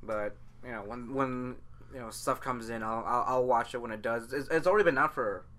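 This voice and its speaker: Young man, bright forceful voice, casual anime talk, rambling, repeats himself. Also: mid-range voice, a little fast. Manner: rambling, repeats phrases while explaining. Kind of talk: casual chat about anime.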